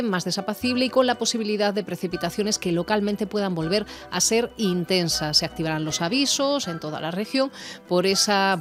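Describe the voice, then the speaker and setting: A woman presenting the radio weather forecast in a measured, steady way. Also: mid-range voice.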